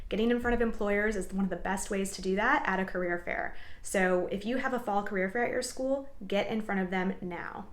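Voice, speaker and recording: A young adult woman giving advice in an upbeat, encouraging, tidy vlogger manner, addressing viewers directly. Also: medium pitch. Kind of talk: upbeat advice vlog to camera. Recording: echoey room.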